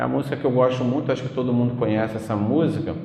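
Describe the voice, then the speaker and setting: A man talks at a medium pitch, his voice carrying audible echo from the room. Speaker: spiritist lecturer and teacher. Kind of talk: spiritist study talk. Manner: casual, hesitant with fillers.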